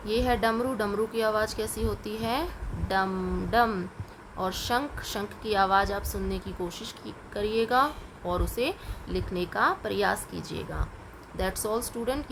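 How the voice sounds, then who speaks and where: A woman teacher going through a lesson with children, dictating answers slowly and patiently. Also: fairly high pitch, noisy background. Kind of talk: online class lesson.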